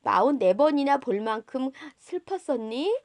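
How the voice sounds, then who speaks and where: A woman's voice: high voice, expressive, normal speed, no echo, studio quality. A woman reading a tender, musing storybook pilot. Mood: gentle. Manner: tender, musing address to a child. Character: gentle reflective grown-up male pilot, storybook narrator.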